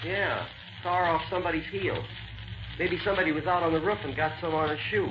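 An actor playing an easygoing, flirtatious American sidekick sleuth in 1940s radio crime drama. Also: male voice, on the high side, expressive, brisk, lightly acted. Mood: curious. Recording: dull, noisy 1940s radio recording.

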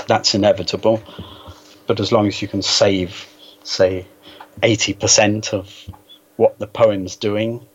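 A man speaking as an interview guest in a measured, hesitant, scholarly way, reflecting carefully on literature over an internet call. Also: lowish voice, breathy edge. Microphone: Skype call. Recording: dull, noisy internet call.

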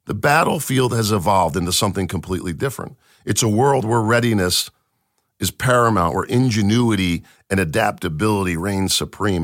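Male podcast host, animated delivery, dry close-miked sound. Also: on the low side, dry recording. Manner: emphatic, enthusiastic, with restarts. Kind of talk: solo commentary reading an article.

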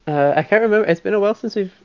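Male podcast host, average pitch, relaxed with lots of ums; dry, muffled lo-fi recording. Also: clear, resonant tone, dry recording. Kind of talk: casual film podcast chat. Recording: dry, dull lo-fi sound.

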